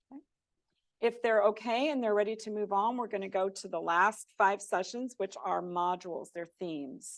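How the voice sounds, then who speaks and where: A woman talks at a moderate pace with medium pitch and ordinary pitch variation in a plain, everyday voice. Her loudness swings widely against a quiet background. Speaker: therapy trainer. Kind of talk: training workshop.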